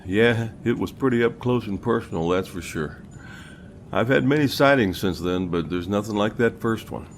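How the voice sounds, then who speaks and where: A man playing a seasoned old captain in an audio drama, telling his story in a steady, folksy, unhurried way. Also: on the low side, slight background noise, lightly acted. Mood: reflective. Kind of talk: audio drama narration and dialogue.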